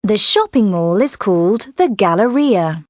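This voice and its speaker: A woman reading scripted answers and sentences for a listening exercise, in a clear, careful way. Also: medium pitch, lively intonation, unhurried, dry recording, clean studio sound.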